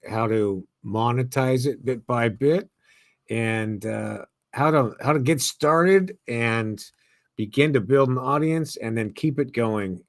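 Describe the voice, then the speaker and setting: A man hosting an interview, mid-pitched and recorded dry and close. He asks eager questions that often stumble and restart. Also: gravelly, dry recording. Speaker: podcast host.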